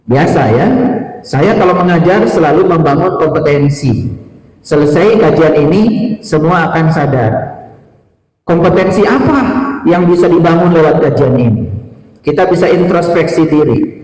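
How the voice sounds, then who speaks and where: A middle-aged man giving a sermon lecture as an Islamic teacher, speaking in a deliberate, didactic way with rhetorical questions and repetition. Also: fairly high pitch, a little mellow. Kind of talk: sermon lecture to a live audience. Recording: echoey hall with long reverb.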